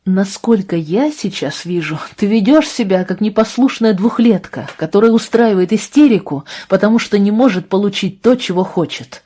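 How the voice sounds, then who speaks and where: A woman reading an audiobook, voicing a calm, patient young man who speaks low, restrained and soft. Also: moderate pace, hardly any pauses, close to an everyday voice.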